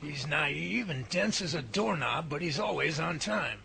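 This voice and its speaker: A man's voice: on the high side, expressive, unhurried, creaky, full character voice. An actor in a hobby radio drama playing a folksy, curious older male professor who teases and asks questions, over a noisy recording. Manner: folksy and inquisitive.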